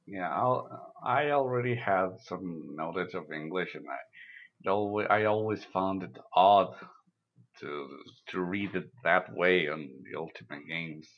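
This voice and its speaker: A man from Mexico, a native Spanish speaker, talks in English in a slow, deep voice. He recalls things haltingly, with frequent restarts. The sound is a little dull and lo-fi. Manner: measured, halting recollection with restarts. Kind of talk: casual conversation.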